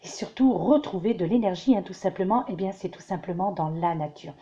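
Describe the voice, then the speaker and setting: Tarot reader, female, rambling with fillers and restarts, mellow voice, dull recording. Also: on the low side, expressive, a little fast. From France. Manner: hesitant, many fillers and repeated restarts; addresses listeners warmly as dear friends. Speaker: tarot reader giving weekly guidance. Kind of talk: casual spiritual monologue to viewers.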